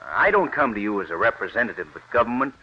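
A man's voice: fairly low pitch, big pitch swings, racing, breathy edge. An actor playing an earnest, persuasive wheat farmer pleading his case in an old radio drama. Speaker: plant explorer pitching new wheat. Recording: dull lo-fi old radio recording.

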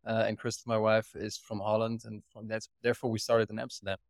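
A man's voice: lowish voice, completely flat delivery, fast talker, creaky, no room sound, clean studio sound. A man from Germany with a German accent, a company co-founder telling his story in a casual interview, earnest and full of restarts. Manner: earnest, many restarts and repeated words. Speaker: guest, company co-founder and CEO.

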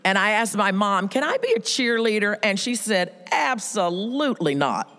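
A woman giving an emphatic motivational speech, telling stories with lively quoted voices. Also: mid-range voice, moderate pace. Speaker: speaker at a women's event. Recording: reverberant hall.

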